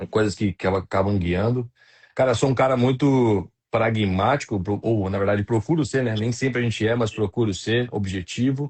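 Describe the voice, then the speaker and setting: Somewhat breathy and very even in loudness, a man speaks at a medium pitch. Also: ordinary pitch variation, moderate pace. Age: 40s. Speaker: tech and management consultant. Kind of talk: interview conversation. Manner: halting, many fillers.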